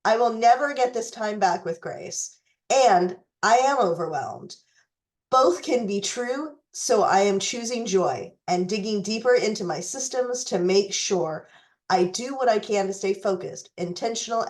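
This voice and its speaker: Woman going thru recipes real slow, voice going hoarse, fighting a cough. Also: mid-range voice, darkish tone. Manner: slow, deliberate, with fillers and restarts. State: losing her voice, fighting a cough. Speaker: recipe tutorial host. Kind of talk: reading a letter, then walking through recipes.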